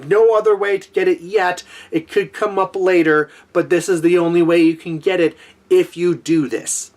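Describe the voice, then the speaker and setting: Exasperated man ranting, fairly high-pitched voice. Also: fairly even intonation, normal speed, darkish tone. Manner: exasperated, complaining. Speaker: gaming hobby vlogger. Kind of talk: casual opinion rant to viewers.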